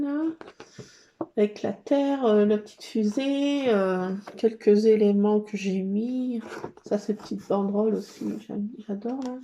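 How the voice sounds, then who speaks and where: A middle-aged woman chatting casually as she shows her scrapbooking work and supplies, rambling and pausing often. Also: a little high, noisy background. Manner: chatty, rambling, full of hesitations. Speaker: scrapbooking vlogger. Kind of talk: casual show-and-tell chat.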